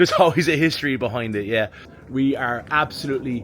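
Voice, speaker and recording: Over noticeable background noise, a man with a North Dublin accent talks at a very fast pace. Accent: North Dublin Irish. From Ireland. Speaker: history vlogger. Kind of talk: casual conversational vlog.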